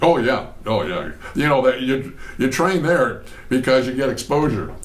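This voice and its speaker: Speech at a moderate pace with ordinary pitch variation comes through noticeable background noise and audible room echo. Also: man, medium pitch for a man. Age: 80s+. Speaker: bodybuilder. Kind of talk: interview. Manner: halting, many repeated words.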